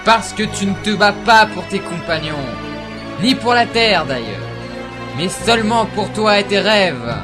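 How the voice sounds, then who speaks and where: Man acting a solemn, high-pitched anime warrior brother. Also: expressive, unhurried. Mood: sorrowful, resolute. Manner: solemn, theatrical, shouts attack names. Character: grave older-brother warrior, cold but secretly loving. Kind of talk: amateur anime parody voice acting. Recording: amateur recording under loud music.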